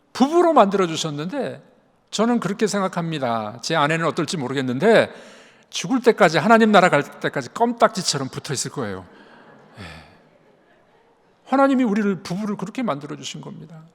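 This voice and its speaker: A man preaching a Sunday sermon as senior pastor, animated, acting out dialogue and dropping to soft asides. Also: sits high, normal speed. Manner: animated, acts out dialogue with God and Sarah. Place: church sanctuary. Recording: long church reverb.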